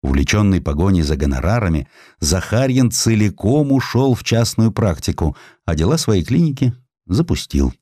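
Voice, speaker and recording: A man's voice: fairly low pitch, normal speed, dry recording, studio quality. A man reading a historical essay as a dramatized, theatrical audiobook narration. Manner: theatrical, expressive storytelling.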